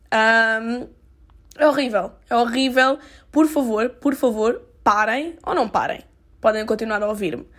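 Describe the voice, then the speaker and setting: A young woman from Portugal with a European Portuguese accent, chatting casually to her viewers in a self-mocking, slang-filled way. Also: a little high. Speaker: vlogger. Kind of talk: casual storytelling to camera.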